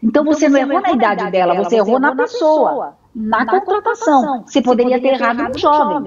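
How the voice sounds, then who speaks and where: At a moderate pace with hardly any pauses, a woman speaks in a high voice whose pitch swings very widely. Her loudness stays very even. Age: 60s. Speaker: headhunter and speaker. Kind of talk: podcast interview.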